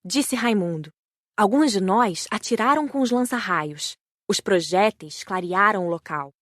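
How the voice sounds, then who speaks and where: A woman's voice: medium pitch, expressive, unhurried, no room sound, clean studio sound. A woman with a Brazilian accent reading scripted audiobook narration.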